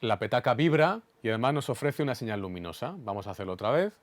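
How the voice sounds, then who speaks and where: A man with a Spain Spanish accent giving an instructional equipment demonstration in a clear, methodical, didactic way. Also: medium pitch, expressive, fast. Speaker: instructor explaining studio equipment.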